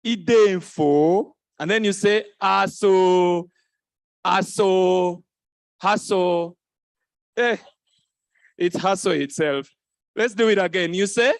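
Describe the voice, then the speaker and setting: A man hosting a live youth event on a conference hall stage playfully teaches the crowd greetings and has them repeat phrases in lively interaction. His voice is high and slow with long pauses, and the studio-quality audio has no room sound.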